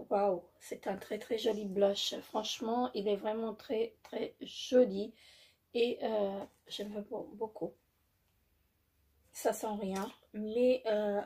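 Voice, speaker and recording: This beauty vlogger's voice is fairly high, warm and a little rough as she presents a makeup haul. Her manner is casual and hesitant, loaded with fillers and repeated "très joli" praise, and she apologizes for her English.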